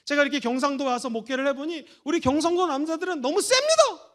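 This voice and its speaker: A middle-aged man from Seoul preaching a church sermon as pastor, moving between loud exhortation and soft, intimate asides. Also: very high-pitched, animated, quick pace. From Seoul, South Korea. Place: church sanctuary.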